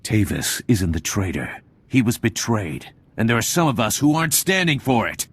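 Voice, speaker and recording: An actor playing a hard-edged renegade black ops squad leader in a video game, impatient and commanding. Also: male voice, on the low side, sing-song, normal speed, breathy edge, no room sound. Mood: terse, impatient.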